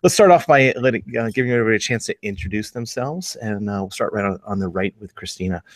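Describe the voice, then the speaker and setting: Low-voiced upbeat male host. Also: expressive, fast talker, no echo. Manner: upbeat, hesitant with many uh fillers. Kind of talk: casual panel chat.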